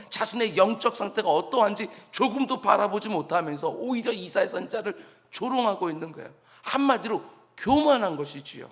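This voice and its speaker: Pastor guy preaching, pretty high voice, lots of hall echo, really earnest. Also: a bit bright. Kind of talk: sermon.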